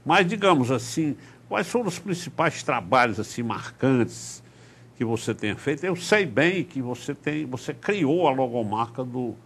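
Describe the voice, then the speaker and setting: A man's voice: mid-range voice, animated, unhurried, fairly bright tone, husky. A man hosting a conversational interview, attentively agreeing as he goes. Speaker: TV interview host.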